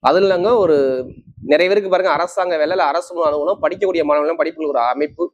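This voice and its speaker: Speaking fast in a steady voice on the high side, a man hosts an astrology forecast, assuring viewers emphatically and repeating the important points. The sound is lo-fi and slightly dull.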